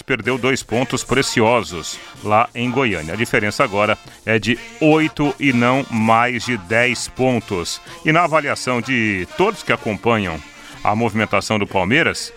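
Casting: Brazilian man as radio football reporter, crisp-edged and bright, light music underneath. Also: medium pitch. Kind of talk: sports commentary and reporting.

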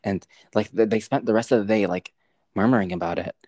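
A young man chatting casually and telling a story, with lively, swearing storytelling and frequent laughs. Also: lowish voice, quick pace, creaky, no room sound, clean studio sound.

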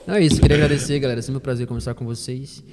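Guy talking quick and loose on a podcast, swears a lot, some reverb on the room. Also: medium pitch, heavy background noise. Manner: relaxed, swears freely, laughs often. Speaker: podcast guest. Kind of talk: casual chat.

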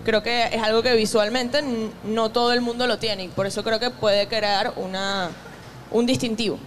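A young woman from Venezuela with a Venezuelan accent, a guest musician talking in a relaxed, reflective way with many restarts. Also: fairly high pitch, normal speed, a little hiss or hum. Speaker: guest musician, maraca player. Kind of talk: casual conversation.

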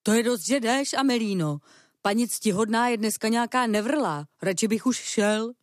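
A woman's voice: on the high side, animated, dry recording, studio quality, natural voice. A woman voicing a cheerful, greedy male dog who chats and boasts in a children's storybook reading. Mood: chatty. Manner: chatty, boastful.

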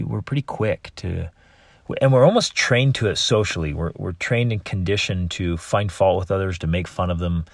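Male podcast host, low husky voice, dry close sound, earnest motivational monologue full of rhetorical questions. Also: no echo. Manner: earnest, asks the listener many rhetorical questions; often repeats and restarts words.

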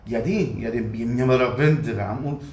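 In an animated, informal chat, a Greek Cypriot-accented man makes his points in everyday speech and acts out what customers might say. His darkish voice sits at a middling pitch. An echoey, slightly muffled recording carries faint noise.

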